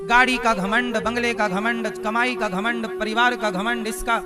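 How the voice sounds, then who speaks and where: A man's voice: very high voice, fairly even intonation, normal speed, music in the background. A man preaching a devotional sermon, telling stories and questioning and teasing his audience. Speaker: katha preacher.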